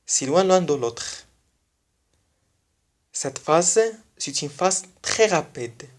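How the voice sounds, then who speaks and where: A speaker whose first language is not French, giving a biology lesson online and repeating key phrases slowly for emphasis. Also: mid-range voice, animated. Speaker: biology video teacher.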